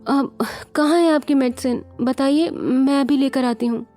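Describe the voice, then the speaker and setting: A high, pleading young woman's voice, anxious and tearful, as a woman narrator puts her on. She sounds well above the storyteller's usual pitch. Faint music plays underneath. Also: a little slow, mellow. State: crying.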